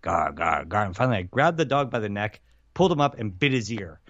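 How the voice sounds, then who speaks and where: Playful male co-host, very animated, slightly roomy. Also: mid-range voice, fast. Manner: playful, acting out noises and exclamations. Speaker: radio co-host. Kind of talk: casual jokey banter and storytelling. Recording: dull, roomy, slightly lo-fi radio audio.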